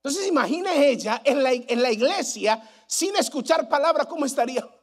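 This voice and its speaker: A man's voice: extremely high pitch, animated, normal speed. A male pastor preaching a sermon, emphatic and repetitive, asking his congregation rhetorical questions. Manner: emphatic preaching, repeats phrases for weight.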